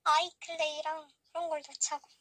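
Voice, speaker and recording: A woman's voice: high-pitched, little pitch movement, fairly quick, sharp tone, dry recording, studio quality. A teenage girl chatting casually as a friend on a speakerphone call. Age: teens, about sixteen. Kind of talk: casual phone chat. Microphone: phone on speaker, picked up by the camera.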